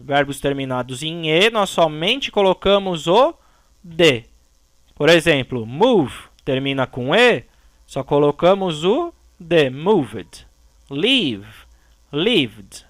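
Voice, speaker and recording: Slow, lively-voiced male English teacher. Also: fairly high pitch, no room sound. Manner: slow, explains step by step, often checks with "tá?". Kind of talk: recorded grammar lesson.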